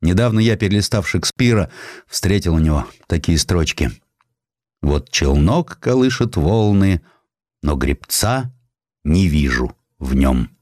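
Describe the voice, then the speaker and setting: A man's voice: deep voice, animated, measured pace, a little mellow, no room sound, clean studio sound. A man reading an audiobook voices a weary, fatalistic Russian general who broods dramatically on his death. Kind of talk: audiobook character acting.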